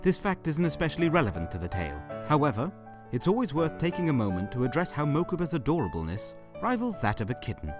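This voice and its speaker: A man's voice: fairly high pitch, big pitch swings, fast. Guy playing droll christmas audio drama narrator, swoopy delivery, bit of music under it. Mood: wry. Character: wry, theatrical storybook narrator of a Christmas tale.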